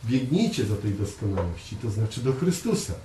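A man's voice: fairly low pitch, very animated, moderate pace, warm tone. Earnest man preaching in an echoey room. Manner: earnest, repeats words and hesitates with fillers. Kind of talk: conversational sermon with congregation responses. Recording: echoey room, voice from far off, faint hiss.

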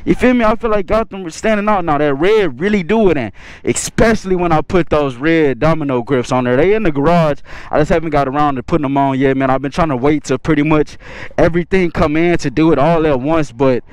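A man's voice: on the high side, fairly quick, clean tone, dry recording, poor audio. A man talking casually to his viewers in a slangy, laid-back way, recorded while riding a motorcycle. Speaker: motovlogger. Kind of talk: casual motovlog talk to viewers. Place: riding a motorcycle outdoors on city streets. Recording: faint road and traffic noise.

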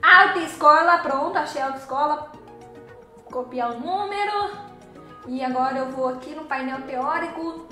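A woman's voice: sits high, normal speed, sharp tone. A woman chatting casually on a live stream, reading the chat and teasing her viewers in a playful, chatty way. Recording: echoey room, faint music behind.

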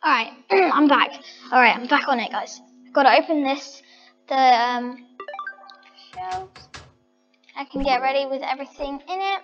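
A woman's voice: sits high, normal speed, long pauses, big-room sound, lo-fi sound, over music. A woman chatting to her viewers as she decorates a house in a game, thinking aloud. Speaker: vlogger. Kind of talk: casual game commentary.

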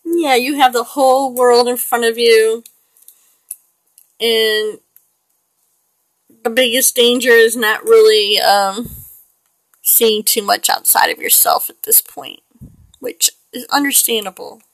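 A woman's voice: on the high side, steady tone, takes it slowly, pauses often, no echo, poor audio. A woman in her late forties, chatting casually and rambling with frequent laughs while she paints digitally. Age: 40s. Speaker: digital artist.

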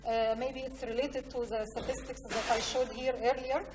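Female conference speaker, Egyptian accent, slightly high voice, halting delivery, picked up at a distance in a reverberant hall. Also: little pitch movement. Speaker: conference speaker, science programme representative. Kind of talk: conference presentation with slides. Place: large conference hall, indoors. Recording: echoey hall, distant mic, faint noise.

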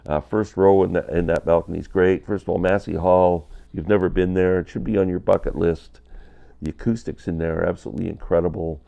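Deep gravelly guy in his 50s, stuffy cold, rambling vlog from his basement, kinda dull lo-fi sound. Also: fairly even intonation, a little fast, warm tone. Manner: chatty, candid, gestures a lot with hands. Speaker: vinyl collector vlogger. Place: basement room, indoors, small.

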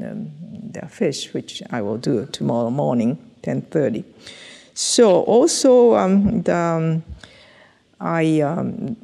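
An older woman with a Japanese accent, answering interview questions in slow, hesitant English full of fillers. Her voice is mellow and gravelly, caught on a headset mic. The studio adds a long reverb tail. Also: low-pitched. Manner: hesitant, many fillers and restarts, light laughter. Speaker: interviewee, physiologist. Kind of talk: oral history interview. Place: dark studio set, indoors.

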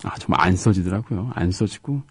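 Low husky halting male radio host. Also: dry recording. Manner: halting, with gaps between words and syllables. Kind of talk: casual radio talk reading listener comments.

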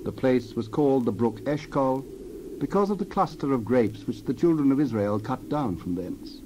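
A man narrating a dramatized scripture reading in measured, deliberate phrases. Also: medium pitch, lively intonation, warm tone. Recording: dull, noisy recording with background ambience.

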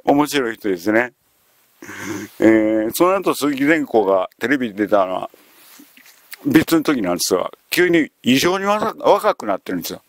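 Brief: male history lecturer, very lively pitch, close dry sound, storytelling delivery. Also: normal speed, dry recording. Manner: animated, acts out quotes.

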